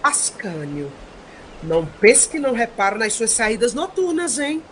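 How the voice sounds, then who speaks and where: A woman's voice: fairly high pitch, sing-song, measured pace, a bit bright, a little hiss or hum, poor audio. A Brazilian woman playing an earnest male hero and father in an audio drama. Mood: knowing.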